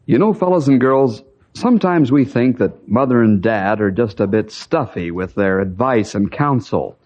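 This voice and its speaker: Rousing old-time radio announcer. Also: male voice, medium pitch, animated, moderate pace, darkish tone. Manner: rousing, folksy, addressing kids. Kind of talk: 1950s radio show introduction. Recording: dull old radio recording.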